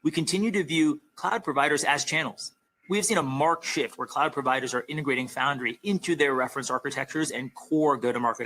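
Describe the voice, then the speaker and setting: A man's voice: medium pitch, sharp tone, poor audio. A man delivering prepared corporate remarks as a company executive on an earnings call, in a formal, emphatic way.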